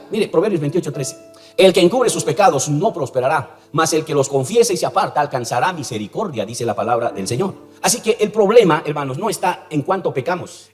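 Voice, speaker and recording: Male preacher, impassioned, fast delivery, big reverb and soft music underneath. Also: on the high side. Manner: impassioned preaching, acts out quoted voices. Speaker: pastor. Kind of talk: sermon.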